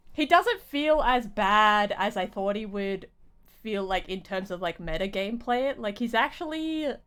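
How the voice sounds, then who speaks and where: Slow-paced, higher-voiced young woman streaming. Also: fairly bright tone, clear, resonant tone. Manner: rambling, halting, slangy. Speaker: game streamer. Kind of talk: casual live game commentary.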